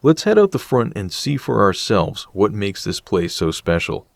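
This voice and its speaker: A man delivering scripted documentary narration as the host of an exploration series, in a measured, descriptive manner. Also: fairly low pitch, very animated, gravelly.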